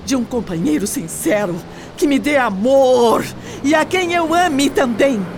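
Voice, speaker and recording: An indignant young shop clerk. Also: female voice, sits high, lively intonation, unhurried, slight background noise. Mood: earnest. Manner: pleading, indignant, emphatic. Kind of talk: radio drama acting.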